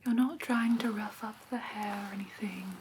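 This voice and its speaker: Woman acting as vampire class teacher, breathy whisper, soft and patient, instructive ASMR roleplay, noticeable hiss behind the voice. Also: mid-range voice, fairly even intonation, moderate pace, natural voice. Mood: gentle, instructive. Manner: soft, soothing, patient, instructive with gentle check-ins. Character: gentle female vampire teacher of human pet care.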